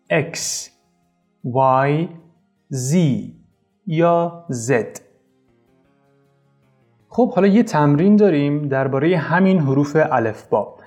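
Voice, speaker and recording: A man's voice: on the high side, a little mellow. A man teaching an English lesson casually, coaching his students and repeating each correction.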